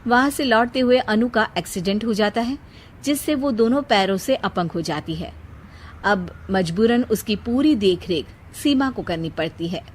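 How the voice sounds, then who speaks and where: A woman's voice: medium pitch, expressive, normal speed, slight background noise. Woman narrating a moral story.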